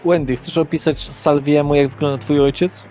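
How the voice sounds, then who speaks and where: A man as game master, narrating a horror roleplay in measured, short descriptive phrases. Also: a little high, fairly even intonation, a little mellow, soft background music.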